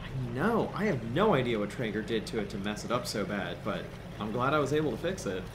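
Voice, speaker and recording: An actor playing a modest, practical young mechanic in a naturalistic audio drama. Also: male voice, medium pitch, sing-song, fairly quick, close to an everyday voice. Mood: modest, reflective. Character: modest, practical young man, small-town boat mechanic. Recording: boat and water noise behind voice.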